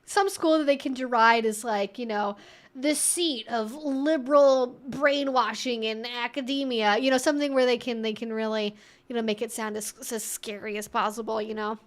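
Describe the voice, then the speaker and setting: A woman's voice: on the high side, steady tone, normal speed. A woman hosting a livestream, chattily and informally reading and answering viewer comments.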